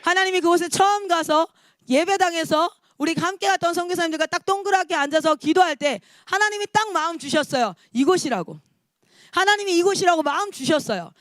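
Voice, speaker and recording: A woman in her thirties, a missionary, preaching a lively sermon with emphatic calls and acted-out quotes. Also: very high voice, a little fast, no echo, clean studio sound.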